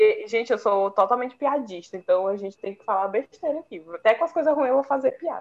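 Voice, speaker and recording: Speech moves at a fairly quick pace. Its intonation sounds lively. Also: woman, high pitch for a woman, big swings in loudness. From Brazil, São Luís, Maranhão. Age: 20s. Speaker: teacher, podcast guest. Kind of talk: casual chat.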